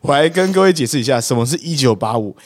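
A young Taiwanese man with a mid-pitched voice tells a story in a relaxed way, dropping dry little jokes as he goes. His voice sits in a close, dry recording. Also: quick pace, no echo. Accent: Taiwanese Mandarin. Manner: wry, joking asides. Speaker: podcast co-host. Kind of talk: casual storytelling chat.

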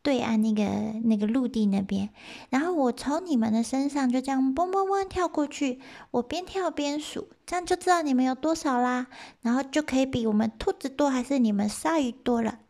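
A woman voicing a small hurt male hare, a sly pleader with a high sing-song whine. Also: brisk, a little mellow. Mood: coaxing, sly.

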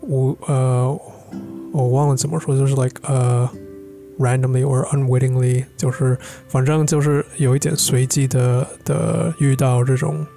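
A man's voice: mid-range voice, level tone, a little slow, vocal fry, dark tone, soft background music. A man who is an English speaker speaks in casual co-host chat, searching for words and mixing in English. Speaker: podcast co-host. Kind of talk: casual chat in learner's Mandarin.

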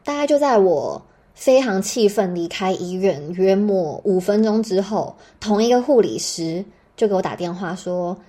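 A young woman with a Taiwanese Mandarin accent tells a personal story on her podcast. Her voice is mellow and slightly husky. She talks in an animated, dramatic way and swears freely. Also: mid-range voice, normal speed. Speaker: podcast host.

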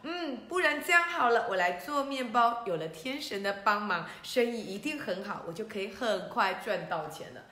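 A woman's voice: a little high, expressive, normal speed, few pauses, bright, forceful tone. A woman voicing a lazy, poor, greedy young man who whines and pleads in a children's story. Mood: scheming. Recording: roomy echo.

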